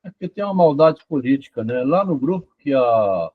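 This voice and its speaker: A man's voice: mid-range voice, animated, moderate pace, no echo, phone-quality sound. A man talking casually, rambling and checking in with "tá?" and "né?" as he goes. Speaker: author discussing his doctoral thesis. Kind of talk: casual conversation about psychoanalysis and literature.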